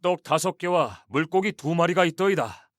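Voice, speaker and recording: An actor voicing disciples and Pharisees as grown men, speaking in an earnest, questioning way. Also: male voice, a little high, expressive, moderate pace, a bit bright, no room sound, clean studio sound. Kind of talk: scripted Bible drama reading.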